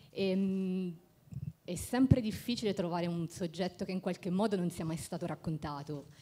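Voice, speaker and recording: This woman's voice has a dark, mellow tone and a fairly low pitch, with ordinary pitch variation. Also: moderate pace. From Florence, Italy; Tuscany, Italy. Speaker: award-winning screenwriter; speaker. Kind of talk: acceptance speech. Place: hall. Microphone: handheld.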